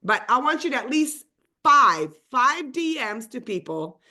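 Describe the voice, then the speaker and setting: A woman coach talks quickly and with lots of energy, her voice bright and forceful and pitched a little high. Swedish is her first language. She runs a live online session over a video call mic, piling on asides as she goes. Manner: fast, energetic, chatty, many asides. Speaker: real estate trainer.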